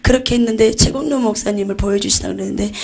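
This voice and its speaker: A woman pastor with a Jeolla Korean accent gives an emotional testimony to a congregation, swinging from hushed whispers to fervent shouts. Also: medium pitch, rapid-fire, creaky.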